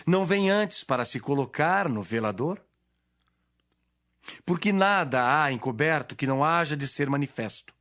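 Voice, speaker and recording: A man playing Jesus as a solemn, authoritative teacher in a dramatized audio Bible, with measured, declamatory delivery. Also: a little high, expressive, fairly bright tone. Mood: solemn teaching. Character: Jesus, authoritative male teacher speaking in parables. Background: music.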